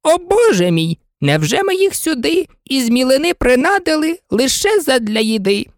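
A woman's voice: sits high, very animated, moderate pace, no echo, studio quality, voice pushed up. Greedy weepy walrus, a woman doing him. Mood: sly, mournful. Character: sly greedy male walrus, tearful and sentimental.

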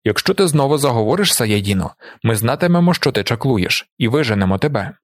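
A man's voice: mid-range voice, sing-song, a little fast, no echo, studio quality, close to an everyday voice. A man reading Stilgar, a stern tribal chief. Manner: firm, commanding. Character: stern male tribal chief, firm and measured.

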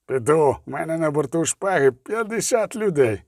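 A man voicing a wounded, menacing male spy who talks slow, slurred and threatening. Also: fairly high pitch, expressive, darkish tone, no echo, clean studio sound.

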